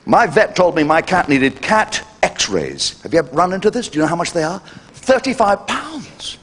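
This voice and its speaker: An older man doing a live stand-up comedy routine, brash and cheeky, with sudden jumps in pitch for punchlines. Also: big pitch swings, normal speed, a bit bright. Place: live venue with audience laughter.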